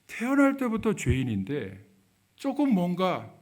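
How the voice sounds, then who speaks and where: A middle-aged male pastor giving a sermon, dropping to soft low murmurs and rising to loud emphatic preaching, acting out quoted lines. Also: huge pitch swings, measured pace. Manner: acts out quoted speech of biblical figures.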